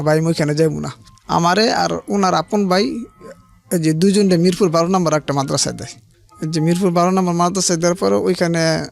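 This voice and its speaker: A man's voice: on the high side, vocal fry. A man telling his life story as an interview guest, hesitant and plain-spoken, with frequent restarts. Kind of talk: halting personal storytelling.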